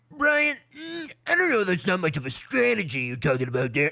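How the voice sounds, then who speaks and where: A man puts on a character voice, high-pitched with very wide pitch swings, at a moderate pace. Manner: dismissive, skeptical.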